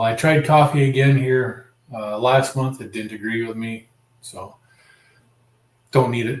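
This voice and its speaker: This man's voice is somewhat breathy, and he speaks at a fairly slow pace with fairly even intonation. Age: 50s. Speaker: health vlogger. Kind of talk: personal testimony vlog. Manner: casual, hesitant with fillers.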